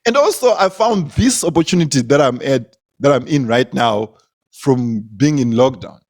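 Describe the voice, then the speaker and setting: A man's voice: mid-range voice, expressive, moderate pace. A young man from Zimbabwe, a comedian, telling stories in casual conversation, laughing often and repeating words as he goes. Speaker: comedian, guest.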